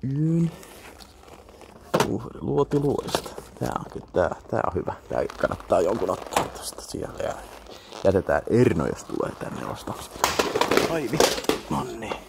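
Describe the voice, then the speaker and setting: A man's voice: on the low side, big pitch swings, gravelly, very noisy. A young man with a Finnish accent, muttering casual commentary to himself while browsing an indoor flea market, with half-whispered asides and offhand swearing.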